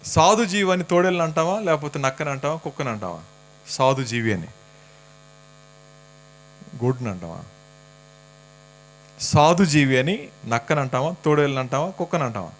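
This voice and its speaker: A man's voice: a little high, lively intonation, moderate pace, long pauses. A man preaching a sermon in a church, talking casually and teasing the congregation with questions. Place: church hall.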